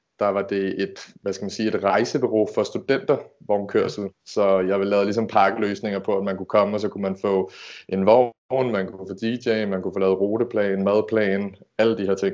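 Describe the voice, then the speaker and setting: Flat and monotone, a man speaks at a moderate pace in a fairly low pitch. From Greater Copenhagen, Denmark. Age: 20s. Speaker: recruitment company co-owner. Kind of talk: interview. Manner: hesitant, many fillers.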